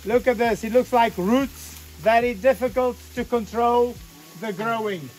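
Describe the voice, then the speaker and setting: An older man guiding a walk outdoors, explaining plants and sights in halting, playful English. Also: very high-pitched, a little mellow. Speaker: tour guide. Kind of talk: guided walk commentary. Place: outdoors on a mountain path.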